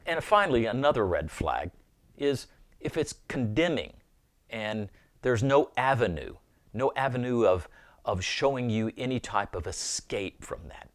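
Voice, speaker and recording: A man's voice: medium pitch, sing-song, a little slow. A man giving an earnest, informal Christian teaching, often repeating words as he thinks aloud.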